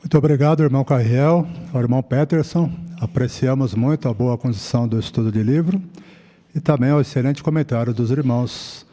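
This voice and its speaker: A man's voice: mid-range voice, fairly quick, mellow. A man chairing a congregation meeting who gives closing remarks in a formal, courteous way. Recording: hall reverb.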